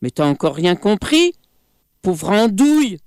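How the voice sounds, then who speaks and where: A woman's voice: sits high, slow pace, clean tone, no echo, pitched above the performer's own voice. A scornful male monkey from a storybook, firing off mocking insults in a biting tone, as a woman acts him out. The voice sits close in a dry, dead space.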